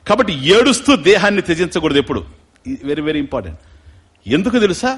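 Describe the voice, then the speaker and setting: A man giving a spiritual discourse, mixing explanation with slow, musical chanting of verses. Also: high voice, slightly rough. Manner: animated, chants Sanskrit verses slowly and musically. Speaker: spiritual lecturer. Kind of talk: devotional discourse.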